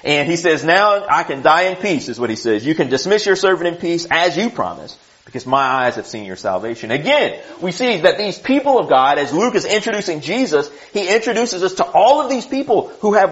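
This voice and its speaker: A man preaching a sermon, reading scripture and teaching it in a conversational way, with frequent asides and restarts. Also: a little high. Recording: dull lo-fi recording.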